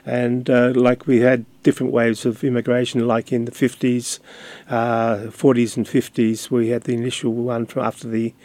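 An older man speaks in a level, unvaried voice, pausing often on fillers and restarting his sentences. The sound is close and dry, with no room around it. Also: medium pitch, completely flat delivery, darkish tone, no room sound. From Australia. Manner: hesitant, many fillers and restarts. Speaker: community radio guest. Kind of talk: casual interview talk.

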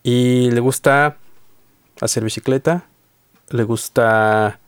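A man's voice: mid-range voice, fairly even intonation, slow pace, smooth, no echo. A man hosting a casual radio interview in a studio, chatty and hesitant, with frequent fillers. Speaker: radio show host. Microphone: studio microphone.

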